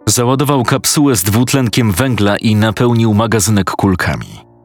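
A man with a lowish voice tells a first-person horror story, casual and crude, often poking fun at himself. Faint music plays under his narration. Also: animated, moderate pace. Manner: crude, casual, self-mocking.

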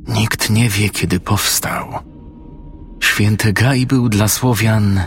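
A man voicing a hoarse, low-voiced old village healer woman who speaks in riddles and shrieks at a demon. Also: steady tone, takes it slowly. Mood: cryptic. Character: hoarse old female village witch-healer, cryptic and fierce.

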